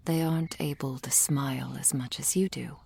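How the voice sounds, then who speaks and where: A woman's voice: a bass voice, steady tone, heavily acted. A woman playing a whispering soul healer. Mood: soothing. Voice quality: breathy whisper. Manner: soft whispering, slow and soothing. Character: gentle female soul healer, calm and tender. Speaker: ASMR performer. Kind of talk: ASMR roleplay. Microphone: close microphone.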